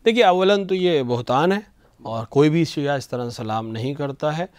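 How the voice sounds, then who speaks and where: A man, a religious scholar on a studio TV show, explaining patiently and slowly reciting phrases to show the right pronunciation. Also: a little high, expressive, dry recording. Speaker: religious scholar answering questions. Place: television studio.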